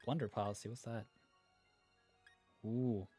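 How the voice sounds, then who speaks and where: A man's voice: on the low side, steady tone, a little slow, mellow, slightly rough, faint music behind. A man from Norway with a Norwegian accent, hosting a gaming livestream in laid-back, rambling chat while reading viewer comments. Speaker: livestream host.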